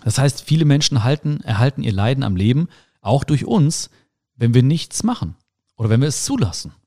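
A man's voice: mid-range voice, big pitch swings, fairly quick, mellow. A young adult man hosting a podcast, giving reflective advice in a casual monologue and speaking straight to the listener. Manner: reflective, talks straight to the listener, acts out little dialogues. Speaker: podcast host.

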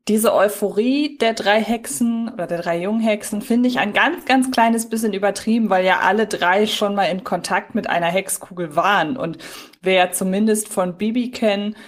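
A woman co-hosting a podcast in casual chat, tentatively qualifying her opinions as she goes. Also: mid-range voice. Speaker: podcast co-host. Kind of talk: casual chat reviewing a story.

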